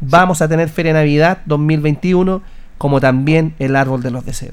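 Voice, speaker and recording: A man with an ordinary speaking voice delivers his words at a moderate pace, his fairly high pitch showing ordinary variation. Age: 40s. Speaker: mayor. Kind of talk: radio interview.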